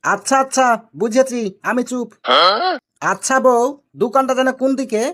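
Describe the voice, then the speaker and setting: A woman's voice: on the high side, steady tone, normal speed, slight background noise, natural voice. A woman voicing a maddeningly literal cartoon husband with a Rajshahi Bengali accent, innocently and persistently questioning. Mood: placating, obtuse. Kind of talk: comic cartoon dialogue.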